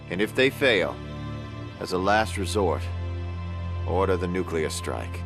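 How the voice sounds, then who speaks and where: A man's voice: sits low, expressive, a little slow, a bit bright, soft background music. An actor playing a weary male president, curt and sardonic. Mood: grim. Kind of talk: game cutscene drama.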